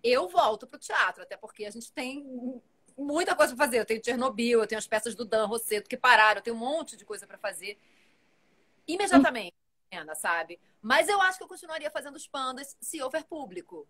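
A woman's voice: on the high side, brisk. A woman in her forties, an actress, talking casually and animatedly as a guest on a live video call from home. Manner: animated, talkative, gestures while speaking. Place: home room with plants and shelves.

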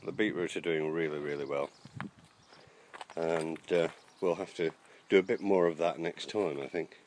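The man's low, steady voice is a little mellow and moves at a moderate pace, with a little hiss or hum on the handheld outdoor track. Casually and hesitantly, full of ums and uhs, he walks around his allotment.

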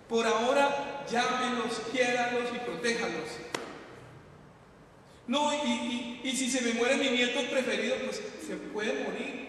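A male priest delivers a sermon in a high voice, swinging from forceful calls to near-whispered appeals. He is captured from a distance, and his words roll around a big, echoing church hall. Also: a little hiss or hum. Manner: impassioned, shifting from shouts to hushed appeals. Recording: echoey hall, distant mic.

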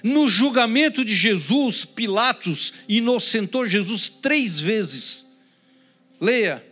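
Brazilian pastor, male, high voice, dramatic sermon delivery with hushed drops, faint music underneath. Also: lively intonation, slow pace. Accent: Brazilian Portuguese. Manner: dramatic preaching, swings between loud emphasis and hushed prayerful tones.

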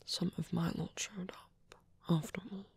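A man playing a tired, wounded villain softening toward a lover in an intimate ASMR roleplay, breathy and hesitant, often half-whispering close to the mic. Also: high-pitched, little pitch movement, heavily acted. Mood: weary, reflective. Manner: hesitant, halting, with long pauses and sighs. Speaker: ASMR voice actor. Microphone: close microphone, dry.

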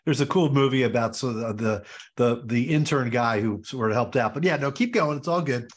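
A middle-aged man from Baltimore hosting a show over a video call, chatty and full of quick asides and restarts, speaking on a headset from a home office. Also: mid-range voice. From Baltimore, USA. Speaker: podcast host. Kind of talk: casual video call interview.

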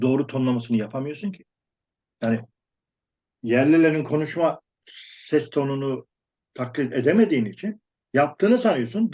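A man's voice: on the high side, warm tone. A man giving blunt, emphatic advice about learning English in a casual discussion, often breaking off and restarting his words. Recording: dull lo-fi sound.

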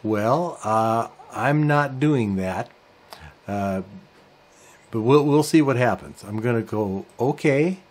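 A man in his sixties giving a measured, step-by-step software tutorial as the host of a hobby channel. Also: mid-range voice. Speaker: host of a ham radio channel. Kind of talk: software tutorial and review talk to camera. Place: small indoor home radio workshop.

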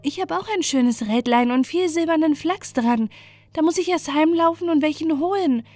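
A woman's voice: sits high, moderate pace, no echo, faint music behind, voice pushed up, close to an everyday voice. A woman voicing a kind, eager little peasant girl, innocent and full of exclamations. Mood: eager wonder. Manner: bright-eyed, innocent, exclamatory.

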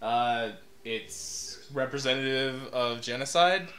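A man's voice: medium pitch, slow, fairly bright tone. A man co-hosting a let's play, joking sarcastically and laughing often while he plays. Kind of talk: casual gaming banter. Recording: echoey room, faint hiss.

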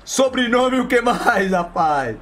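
A man's voice: very high voice, very animated, measured pace, a bit bright, a little hiss or hum. A Brazilian man streaming a football video game, taunting and swearing at his online opponent. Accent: Brazilian Portuguese. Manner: trash-talking, mocking, profane. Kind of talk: live gameplay commentary.

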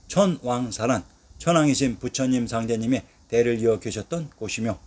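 A man narrates a history lesson from a script, in a voice of ordinary middle pitch. He recites old place names one after another in a steady, measured way, letting each list drop at the end. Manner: steady recited delivery, lists of names with a falling close.

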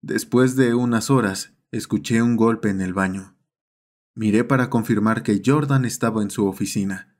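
A man's voice: lowish voice, moderate pace, darkish tone. A man narrating a scripted horror story as the host of the channel. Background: background music.

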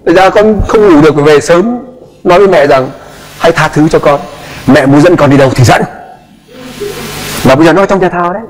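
Male pastor, high-pitched, impassioned sermon, acts out voices, long hall reverb. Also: a little fast, long pauses. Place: church.

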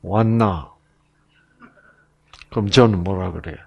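In a mid-range, sing-song voice that is gravelly and husky, a middle-aged Gyeongsang-accented Korean man gives an unhurried, anecdotal Bible lecture peppered with fillers and asides. The recording has a lo-fi quality.

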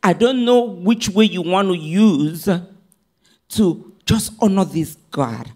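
A woman pastor preaching a sermon, reading scripture in measured phrases and repeating lines for emphasis. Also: fairly low pitch, animated, mellow.

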